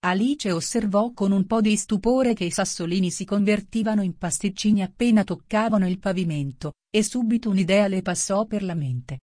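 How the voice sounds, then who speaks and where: A woman's voice: mid-range voice, moderate pace, hardly any pauses, dark tone, no echo, clean studio sound. A woman narrating a storybook as an audiobook reader, sometimes reading punctuation marks aloud. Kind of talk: scripted narration.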